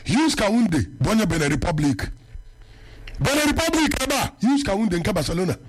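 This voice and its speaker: A Nigerian man with an Igbo accent and a high-pitched voice hosts a radio sports show. He rambles loosely, piling up "eh" fillers and switching into Igbo phrases as he talks. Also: sing-song, brisk. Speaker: radio sports talk host. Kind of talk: casual radio commentary.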